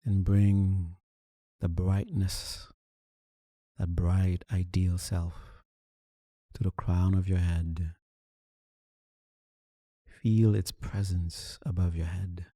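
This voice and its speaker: A man leading a guided meditation, calm and soothing, speaking in deliberate short phrases with long pauses. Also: low voice, dry recording, clean studio sound. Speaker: meditation teacher.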